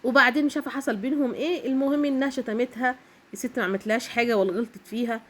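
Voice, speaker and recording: An Egyptian woman vlogger with a cold, talking straight to her viewers in an emphatic casual monologue and often pausing to check in with them. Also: a little high, steady tone. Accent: Egyptian Arabic. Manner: emphatic, keeps checking in with "okay?". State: has a cold, coughing. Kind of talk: casual direct-to-camera monologue.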